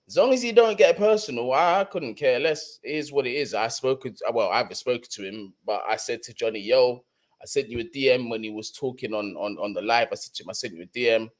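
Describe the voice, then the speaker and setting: A young man with a London accent hosts a live football stream and talks to his viewers in easy, slang-filled chat. He repeats his points for emphasis, and his voice sits at an ordinary middle pitch for a man. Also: lively intonation, brisk. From London, England. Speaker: football channel host.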